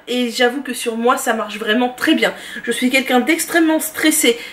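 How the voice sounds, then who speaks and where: High-voiced woman chatting about favorite products. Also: fairly bright tone. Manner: chatty and enthusiastic, frequent "euh" fillers. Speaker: beauty and lifestyle vlogger. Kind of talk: casual product review monologue. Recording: voice distant from the mic.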